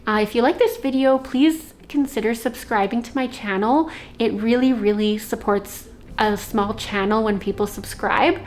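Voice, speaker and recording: A woman's voice: on the high side, moderate pace, a little hiss or hum. A young woman born in Slovakia, a native Slovak speaker, telling a rambling personal story as a vlogger, with many fillers. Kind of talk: casual storytelling.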